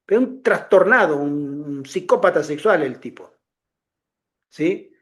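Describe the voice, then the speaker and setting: A middle-aged man speaks to a congregation in an informal, testimony-like way. His voice sits high for a man, and he tells the story with animation, acting out the voices of the people in it. It sounds like a lay ministry talk rather than a prepared sermon. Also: expressive, measured pace, fairly bright tone.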